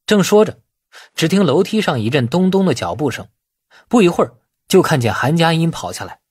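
A man reading a novel as dramatic scripted narration, in a husky voice. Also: fairly high pitch, big pitch swings, a little fast, a little mellow, no echo, studio quality. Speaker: audiobook narrator.

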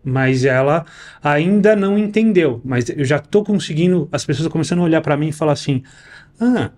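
A man's voice: fairly high pitch, a little fast. A man hosting a podcast in casual chat, telling frank stories and acting out what other people said. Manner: animated storyteller, quotes people in their own voices; slangy and frank. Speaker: podcast host.

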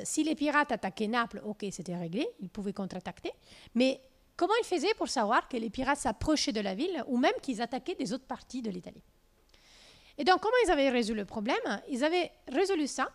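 A woman in her thirties with a clear Italian accent, giving a university-style lecture. She tells the story in a lively way, full of fillers and self-corrections, and her voice sits a little high. She speaks into a handheld microphone in a lecture room. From southern Italy. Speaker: physics lecturer. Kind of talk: lecture with slides. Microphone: handheld mic.

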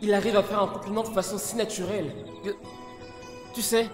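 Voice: medium pitch, steady tone, fairly quick, natural voice. A woman voices a shy, earnest anime boy who stammers and gets flustered. The voice rings with long reverb under prominent music. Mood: nervous. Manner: hesitant, stammering. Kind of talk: amateur anime fandub acting in French.

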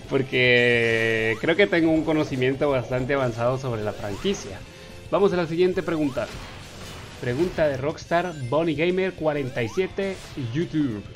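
A man's voice: medium pitch, measured pace, faint music behind. Playful young Mexican man, gaming voice-over. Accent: Mexican Spanish. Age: 20s. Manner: playful, reads viewer questions aloud in a raised voice. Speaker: gaming YouTuber. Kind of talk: casual Q&A voice-over over gameplay.

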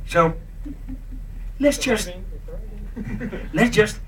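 A young man in an improvised educational role-play, speaking deliberately and with playful theatricality to an audience. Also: sits high, expressive, a bit bright. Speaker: participant acting in a staged demonstration. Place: conference meeting room. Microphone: handheld mic, picked up by far camera. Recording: distant, noisy room camera pickup.

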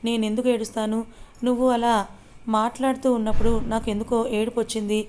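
A woman's voice: fairly high pitch, flat delivery, fast, a little mellow, a little hiss or hum, lightly acted. A woman voicing a feisty young woman who scolds but cares, in a read-aloud story. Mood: scolding. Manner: scolding, exasperated.

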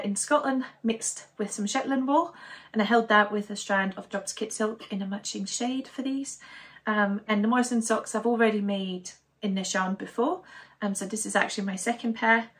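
A woman's voice: medium pitch, a bit bright. A young woman from Denmark chatting casually to camera at home as a knitting podcaster, upbeat and rambling with many fillers. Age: young adult. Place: living room at home, indoors.

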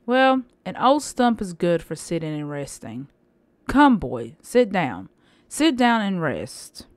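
A woman voicing a loving, selfless female apple tree in a storybook, with a gentle, giving manner. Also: on the low side, very animated, slow, no room sound. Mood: welcoming.

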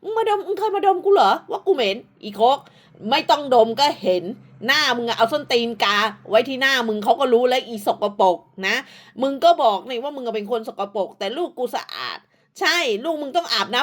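An online commentator with a high-pitched, slightly bright voice delivers a profane rant at rival creators. She scolds and crudely insults them, using repeated short tags.

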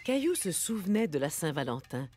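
Woman narrator for a kids show, lively intonation, music behind her. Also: low voice, brisk. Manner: storytelling, addressed to small children. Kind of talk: children's story narration.

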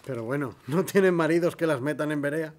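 Guy acting a snappy bossy mayor in an audio drama, dismissive, kinda high male voice. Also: fairly quick, lightly acted. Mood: dismissive, impatient. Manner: brusque, commanding. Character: dismissive, irritable male city mayor of 1918.

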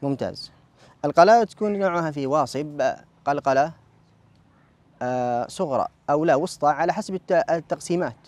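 A man's voice: fairly high pitch, fairly quick, dry recording. A man, a recitation judge patiently quizzing a contestant on the rules of Quran recitation and repeating words for emphasis.

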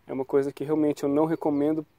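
A man's voice: fairly high pitch, little pitch movement, very fast, mellow, dry recording. A man, talking casually about bike brakes on an action camera outdoors, with a cold, keeping it loose and tagging on little checks. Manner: chatty, loose, trails off with "tá?" and "né?". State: has a cold. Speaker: cycling vlogger. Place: outdoors on a quiet paved road.

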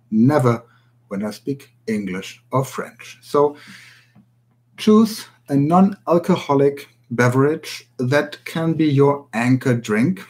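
German guy with a german accent doing a language tutorial, native german speaker, normal pitch, measured teacher way of talking. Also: darkish tone. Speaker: language teacher, academy director. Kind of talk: spoken tutorial to listeners.

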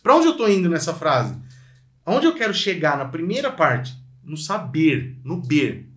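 A man's voice: fairly high pitch, moderate pace, reverberant. A man with a Brazilian Portuguese accent, giving an online violin lesson, speaking straight to the viewer with energy. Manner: energetic, addresses viewer directly, sings phrases to demonstrate. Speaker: violin teacher.

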